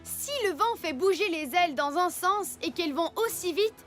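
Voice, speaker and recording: A plucky little alien hero. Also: female voice, very high-pitched, animated, moderate pace, a bit bright, soft background music. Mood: determined. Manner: upbeat, commanding. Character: brave little alien space hero, cheerful. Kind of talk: French cartoon dubbing.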